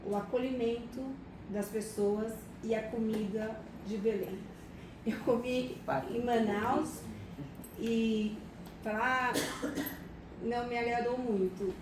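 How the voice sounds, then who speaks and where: A woman's voice: on the high side, fairly even intonation, slow pace. A woman chatting casually in a group meeting. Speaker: reading circle participant. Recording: echoey room from far off, noisy.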